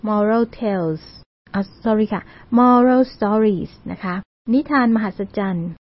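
Speaking very slowly in a medium-pitched voice, a woman from Thailand presents an educational community radio talk for a university learning centre. She's polite, uses particles often, and mixes in English terms, and the radio recording sounds dull and lo-fi.

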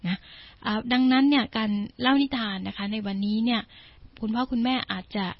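A woman English teacher with a slightly high, brisk voice reads a children's story in a dry, muffled recording. It is a bilingual storytelling lesson, and she patiently explains each word one by one for her listeners.

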